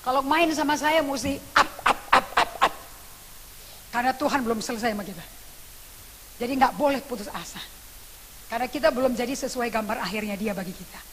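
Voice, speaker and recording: A woman pastor, preaching a sermon and telling a story in an animated way, acting out what people said. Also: on the high side, fast talker. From Indonesia. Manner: animated storytelling with acted quotes. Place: church. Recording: long reverb church hall with faint hiss.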